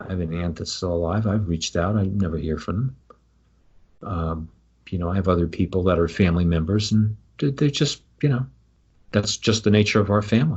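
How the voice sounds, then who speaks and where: Long, frequent pauses break up a man's fairly quick speech in an American accent. His voice is very deep and low, somewhat breathy, with ordinary pitch variation. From US Northeast, Brooklyn, New York City. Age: 60s. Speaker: podcast guest and co-host. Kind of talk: casual podcast conversation. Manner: halting, many fillers.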